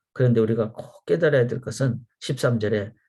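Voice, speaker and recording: A somewhat breathy man's voice at a moderate pace. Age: 50s. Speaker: pastor. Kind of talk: sermon.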